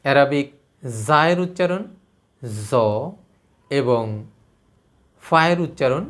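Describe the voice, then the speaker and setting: Slightly high-voiced man explaining carefully. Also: slow pace, fairly bright tone. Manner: explains patiently, repeating and contrasting sounds. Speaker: language teacher. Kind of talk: spoken lesson on Bengali spelling and pronunciation.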